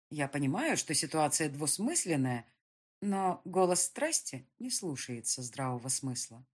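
A woman's voice: on the low side, fairly bright tone, slightly rough, exaggerated voice. A woman voicing a smug, insolent male moneylender in an audiobook, who turns whimpering.

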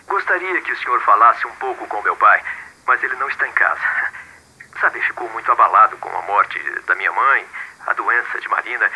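A Brazilian actor playing an earnest, troubled young student in love, politely spoken, in a radio drama. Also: male voice, lowish voice, bright, forceful tone, a little hiss or hum, low-quality recording. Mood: grateful, earnest.

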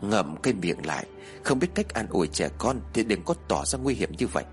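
A man's voice: fairly low pitch, big pitch swings, a little fast, faint music behind. A man playing a stern, curt security guard.

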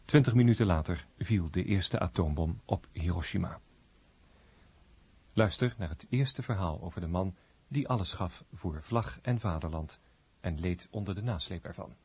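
A man giving a scripted introduction as a radio announcer, with a husky voice. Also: deep voice, normal speed, a little mellow, dull audio.

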